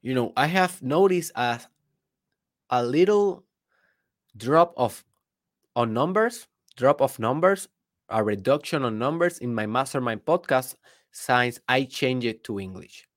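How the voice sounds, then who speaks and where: Middle-aged man, native Spanish speaker with a Spanish accent; unhurried, lively pitch, rhetorical and emphatic. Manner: emphatic, rhetorical questions to the listener. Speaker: business coach and podcaster. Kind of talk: solo motivational talk.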